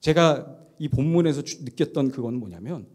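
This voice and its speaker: A man's voice: mid-range voice, expressive, normal speed. A middle-aged male pastor preaching at a Friday prayer meeting in a chatty way, acting out quoted lines and asking the congregation questions. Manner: acts out quoted lines with shifts in loudness; chatty, laughs at himself.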